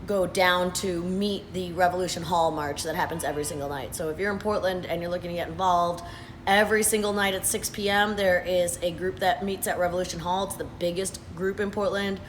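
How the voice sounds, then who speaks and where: A hoarse man in his thirties talks earnestly in a casual vlog, pausing often with "uh" and "um". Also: high voice, fairly even intonation, a bit bright, a little hiss or hum. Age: 30s. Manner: earnest, unhurried, with frequent "uh" and "um". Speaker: vlogger. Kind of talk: casual talking-head update. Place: sitting at his workplace after hours.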